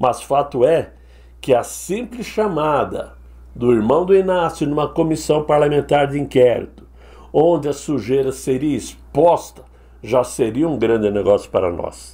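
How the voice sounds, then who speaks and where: A man speaks at a fairly slow pace in a fairly high, somewhat breathy voice with a dark, mellow tone and lively intonation. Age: 70s. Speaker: political commentator. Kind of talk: political commentary monologue.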